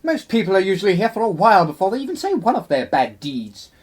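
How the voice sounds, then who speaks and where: A woman playing a droll, dim-witted dead soul with a husky voice in a radio play. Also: mid-range voice, very animated, quick pace, darkish tone.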